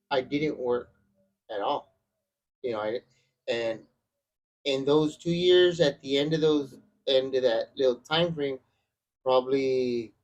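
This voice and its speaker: Halting, rambling man telling his story. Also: medium pitch, a little mellow, dull audio. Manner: halting, many fillers and restarts, swears. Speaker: podcast guest. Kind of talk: casual storytelling.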